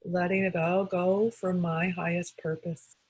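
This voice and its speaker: A woman practitioner guiding a call-and-response tapping session, speaking calmly in short phrases for her client to repeat. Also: fairly low pitch, measured pace, breathy edge, rough recording.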